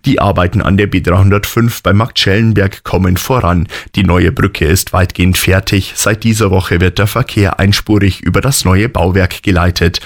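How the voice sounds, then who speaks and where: A man reading regional radio news in a calm, measured way. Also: low-pitched. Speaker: news presenter.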